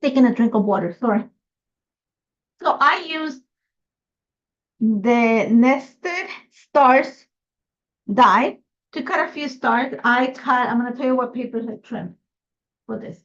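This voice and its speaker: A woman's voice: fairly high pitch, expressive, slow pace, long pauses, a bit bright, highs cut off. Chatty Ecuadorian-born woman crafting live. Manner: chatty, thinking aloud while working. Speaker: craft host. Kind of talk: live scrapbooking tutorial.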